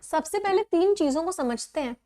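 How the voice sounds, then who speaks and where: A woman's voice: extremely high pitch, lively intonation, normal speed, mellow. A woman teaching an English grammar class, explaining step by step, repeating key points and checking whether the students follow.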